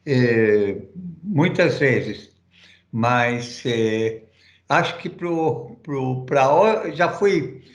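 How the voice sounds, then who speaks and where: A man's voice: mid-range voice, expressive, extremely slow, roomy sound. A middle-aged man from Argentina, answering interview questions casually, rambling with many fillers and restarts. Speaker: interview guest.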